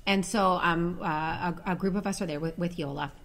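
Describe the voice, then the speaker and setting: A woman co-hosting a podcast, chatty and quick to laugh while telling stories. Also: lowish voice, fairly bright tone. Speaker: podcast co-host, veterinarian. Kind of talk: casual podcast chat, storytelling.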